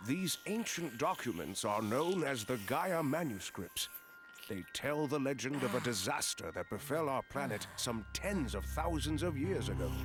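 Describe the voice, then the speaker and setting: A man at a moderate pace and medium pitch, very wide pitch swings, very even loudness, and music in the background. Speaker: video game character, professor.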